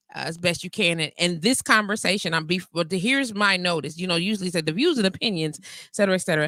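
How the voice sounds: A woman speaks at a fairly quick pace with a fairly low pitch and a fairly bright tone. Her pitch varies in an ordinary way, and the sound is dry and close with no echo.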